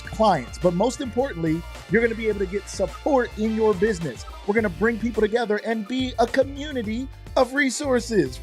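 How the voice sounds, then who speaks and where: A middle-aged man hosting a live online show, slightly hoarse from losing his voice, talking in an upbeat, chatty way and greeting viewers by name. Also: high-pitched. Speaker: host.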